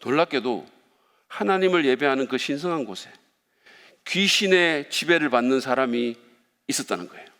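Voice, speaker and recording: A man's voice: medium pitch, expressive, moderate pace, fairly bright tone. A male pastor preaching a sermon, playful and speaking directly to the congregation. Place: church sanctuary. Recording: long reverb of a church hall.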